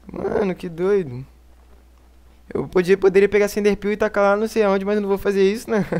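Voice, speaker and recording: Fairly quick speech broken by long, frequent pauses, over noticeable background noise. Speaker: gaming youtuber. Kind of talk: gameplay commentary.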